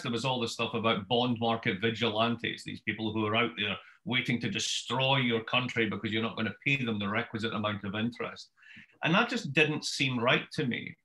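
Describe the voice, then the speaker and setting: A Scottish man in his fifties giving a wry, brisk book talk over a video call from his home study. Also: medium pitch, poor audio. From Scotland. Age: 50s. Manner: brisk, wry storyteller with lively gestures. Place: home study with bookshelves, indoors. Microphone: webcam video call.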